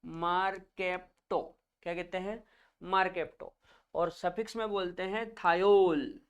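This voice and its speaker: A man's voice: sits high, fairly even intonation, a little slow, clear, resonant tone. A male chemistry teacher giving a classroom lecture, naming each term, then asking students to repeat it back, calling them children.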